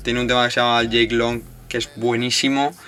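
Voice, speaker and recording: A man's voice: medium pitch, little pitch movement, fairly quick, pushed and bright. A young man co-hosting a podcast in casual chat, slangy and enthusiastic, often calling his friend "brother". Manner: slangy, enthusiastic, says "hermano" and "tío". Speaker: podcast co-host.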